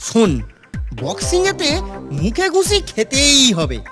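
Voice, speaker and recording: A woman's voice: high-pitched, huge pitch swings, unhurried, full character voice. A woman voicing a crafty, conspiratorial young schoolboy in a cartoon. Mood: scheming. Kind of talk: cartoon voice acting. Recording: music behind.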